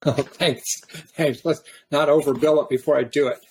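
A man hosting a podcast in a casual, reflective way, often halting and restarting his sentences. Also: on the high side, steady tone, a little hiss or hum. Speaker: podcast host.

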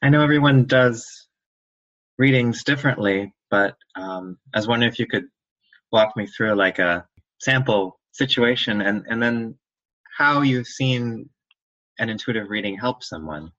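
A man interviewing a guest, asking questions in a halting, hesitant way. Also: medium pitch, a bit bright, no echo, dull audio.

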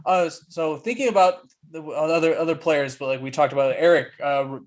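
A man co-hosting a soccer podcast who talks very fast with a slightly high voice. He rambles casually, filling his sentences with ums and uhs. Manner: rambling, many fillers. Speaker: podcast co-host. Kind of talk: casual sports chat.

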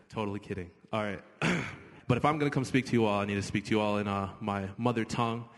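A man's voice: on the low side, normal speed. A man in his twenties from Saint Paul speaking to a school assembly in a loose, joking way with lots of fillers. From Saint Paul, Minnesota. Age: 20s. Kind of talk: public talk to an audience. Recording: reverberant hall, faint music.

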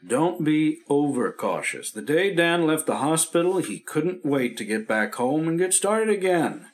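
An actor playing a calm family doctor in a vintage radio drama, speaking in a reassuring, matter-of-fact way. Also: male voice, fairly high pitch, measured pace. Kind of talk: 1950s radio drama acting.

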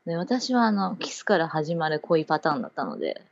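A woman with a fairly low voice that moves around a lot, co-hosting a relaxed chat and laughing often as she tells her story. The sound is dry and somewhat dull. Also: brisk, vocal fry, dry recording. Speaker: podcast co-host. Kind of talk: casual chat.

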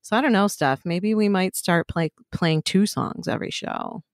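A woman co-hosting a podcast in casual chat, rambling and profane, laughing often, a little hoarse from allergies. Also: on the low side, lively intonation, normal speed, no room sound, studio quality. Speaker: podcast co-host.

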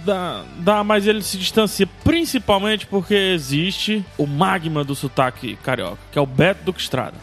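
A man appearing as a podcast guest, explaining things in a wry, unhurried way. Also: high-pitched, animated, a bit bright, soft background music. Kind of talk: casual podcast chat.

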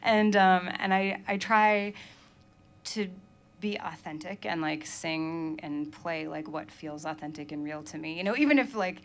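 A woman's voice: lowish voice, unhurried, slight background noise. A young adult woman from Maine, a musician chatting casually in an interview, laughing often and filling her talk with "like" and "um". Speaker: musician guest.

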